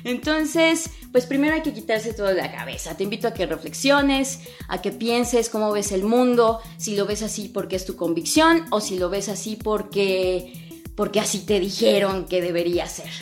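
A woman's voice: medium pitch, expressive, moderate pace, faint music behind. A woman with a Mexican Spanish accent, an English teacher and podcaster, talking in a blunt, slangy, casual monologue full of swearing and rhetorical questions.

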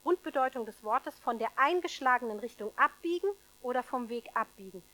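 A woman preaching a sermon to a congregation, emphatic, swinging between loud stresses and hushed asides, with rhetorical questions to the listeners. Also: a little high, animated, fairly quick, low-quality recording.

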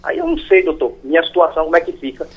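A man, calling in with a halting, pleading question that repeats itself. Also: fairly high pitch, huge pitch swings, breathy edge. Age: 60s. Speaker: caller. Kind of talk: phone-in question. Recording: phone line.

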